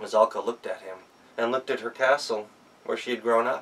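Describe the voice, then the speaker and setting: The speaker is a man with an American accent. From Minnesota, USA. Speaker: professional storyteller. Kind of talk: folktale storytelling performance.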